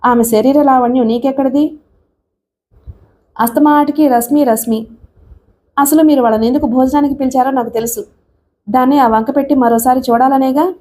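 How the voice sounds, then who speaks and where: A woman's voice: high-pitched, fairly even intonation, normal speed, pauses often, warm tone, slight background noise, natural voice. A woman reading the part of a jealous middle-aged wife who taunts and accuses her husband. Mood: accusing.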